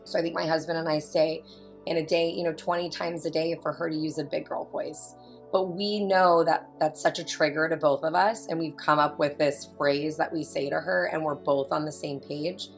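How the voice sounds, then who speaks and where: A woman in her thirties, a mother and podcast guest, talking candidly in casual chat and acting out quoted lines as she tells stories. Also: deep voice. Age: 30s. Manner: candid, animated storytelling with quoted asides.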